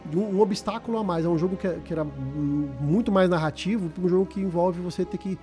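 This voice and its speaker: This Brazilian podcast host has a high-pitched, dark-toned voice and talks at a quick pace over faint background music. Chatting casually about video games, he uses slang and often repeats words while hunting for the right phrasing.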